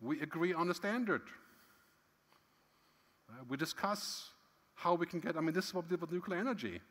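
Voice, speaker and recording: A man's voice: on the high side, moderate pace. Chatty keynote man in a big hall. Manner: conversational, frequent "right?" tags, lively emphatic swings. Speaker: keynote speaker. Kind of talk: conference keynote talk. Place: large conference hall stage. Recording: long hall reverb.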